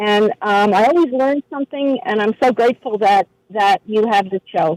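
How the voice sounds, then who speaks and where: A woman speaks in a normal speaking voice, pitched fairly high, at a moderate pace. Her intonation is lively and her loudness very even. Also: dry, close sound with no echo. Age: 60s. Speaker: caller. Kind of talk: casual chat.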